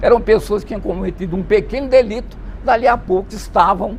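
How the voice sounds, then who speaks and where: The speaker is a man with a high-pitched voice. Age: 70s. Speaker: debate guest, commentator. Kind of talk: televised debate.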